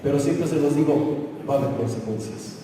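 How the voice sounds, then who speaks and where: A man's voice: a little high, brisk. A man preaching a sermon as pastor, speaking conversationally and putting questions to his congregation, with bursts of raised voice. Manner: conversational, asks the congregation questions, rising to shouts. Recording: echoey hall from a distance.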